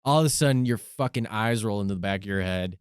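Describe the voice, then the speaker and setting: A man's voice: fairly low pitch, quick pace, clear, resonant tone, no room sound, clean studio sound. A male podcast co-host in casual comedic chat, rambling as he spins joking hypothetical stories.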